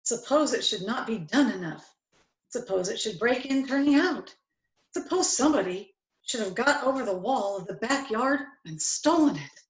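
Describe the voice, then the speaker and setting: A woman playing a kindly, good-humoured father in a storybook play, expressive and affectionate. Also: a little high, moderate pace, lightly acted. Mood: fretting. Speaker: amateur reader, library staff. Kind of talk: dramatic reading of a classic story. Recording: echoey room.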